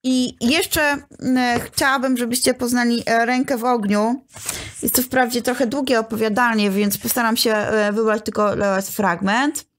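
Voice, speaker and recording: A woman who teaches literature, reading a book excerpt aloud in a measured, careful way and then discussing it, with occasional self-corrections. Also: on the high side, slight background noise.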